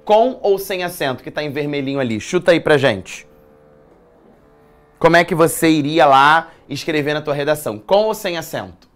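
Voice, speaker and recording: A man with a Brazilian accent teaching a live online exam-prep writing class from a studio, chatty and lively, quizzing his viewers with slangy asides. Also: on the high side, moderate pace. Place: studio in a commercial building.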